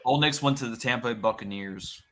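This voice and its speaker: A man's voice: mid-range voice, fairly quick, fairly bright tone, slight background noise. A man co-hosting a sports podcast, talking bluntly and swearing freely in casual chat. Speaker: podcast co-host.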